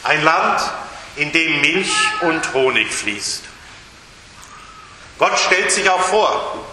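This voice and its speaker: A male pastor preaching a lively sermon at a baptism service in a church, shifting his emphasis and acting out voices in quotes. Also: on the high side, extremely slow. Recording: very echoey church hall, faint hiss.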